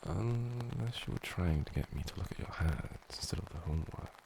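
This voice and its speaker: A man's voice: low-pitched, expressive, moderate pace, creaky, noisy background. A man playing a flustered, smitten young tutor in a whispered role-play, with a nerdy, awkward, stammering delivery. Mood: teasing, strained. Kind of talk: whispered role-play, boyfriend ASMR acting.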